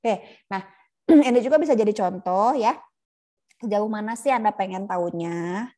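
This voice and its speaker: A woman's voice: medium pitch, normal speed, warm tone. A woman lecturing on palliative care in a casual, chatty way, often laughing and acting out patient and nurse lines. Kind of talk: casual online lecture with role-play examples.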